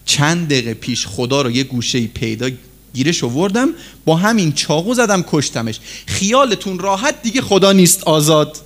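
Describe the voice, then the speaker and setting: A brash man with a bloody knife announces his deed to the gathered crowd, bold and provocative. A preacher acts him out in a story during a sermon. The voice sits a little high. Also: expressive, natural voice. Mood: defiant. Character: man with a bloody knife proclaiming god's death.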